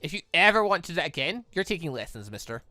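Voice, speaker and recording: A man's voice: fairly high pitch, big pitch swings, quick pace, pushed and bright, no room sound, faint music behind, exaggerated voice. Man voicing a prim, haughty young lady. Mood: prim, teasing. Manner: prim, exasperated, teasing. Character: haughty, affectionate young upper-class woman at a dance. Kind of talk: visual novel read aloud.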